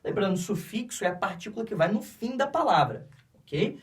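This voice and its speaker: A man teaching English to Brazilian students in a classroom, explaining slowly and often checking in with "ok?". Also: high voice, sing-song, recorded from a distance. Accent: Brazilian Portuguese. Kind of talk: classroom lecture.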